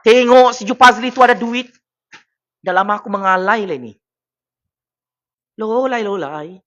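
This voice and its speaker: A man with a Sabah Malay accent, ranting and taunting as a livestream political commentator on his own mic, with loud exclamatory bursts. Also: high voice, a little fast, lo-fi sound. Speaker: political commentator streaming to viewers. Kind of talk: mocking livestream rant. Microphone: personal microphone at a desk.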